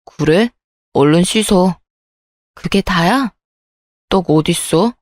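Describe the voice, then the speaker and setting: A woman's voice: on the low side, takes it slowly, darkish tone, dry recording, clean studio sound, voice pushed down. A woman doing a dismissive young husband. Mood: offhand. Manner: offhand and brushing off complaints.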